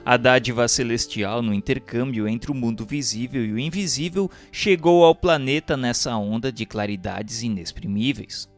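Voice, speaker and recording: A Brazilian man narrates in a formal, solemn register, as if reading an audiobook. His mid-pitched voice is declamatory and carefully scripted. Instrumental music plays beneath his words. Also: moderate pace, few pauses. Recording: music bed under the voice.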